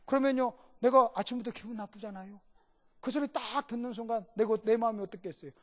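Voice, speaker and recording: A middle-aged man preaching as a guest pastor, swinging from shouted lines to hushed asides and acting out voices as he questions the congregation. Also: very high-pitched, fast talker. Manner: acts out quoted voices, asks the congregation questions. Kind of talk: sermon.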